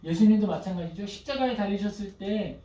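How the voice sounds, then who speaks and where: A man's voice: high-pitched, a little fast, warm tone. A male pastor preaching a sermon who asks the congregation questions and acts out pleading prayers. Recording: echoey hall, voice from a distance.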